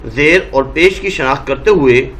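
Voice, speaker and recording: A man from Pakistan with a Pakistani Urdu accent, teaching Quran reading and sounding out letters and vowels slowly one by one. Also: mid-range voice, lively intonation, fairly bright tone, slight background noise, low-quality recording. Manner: slow, drawn-out letter-by-letter sounding. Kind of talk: spelling-out recitation lesson.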